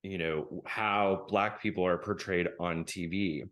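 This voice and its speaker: A man's voice: sits low, steady tone, unhurried, fairly bright tone. Thoughtful, hesitant man from Iowa. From rural Iowa. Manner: thoughtful, hesitant, many fillers. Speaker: podcast host. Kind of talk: casual interview conversation.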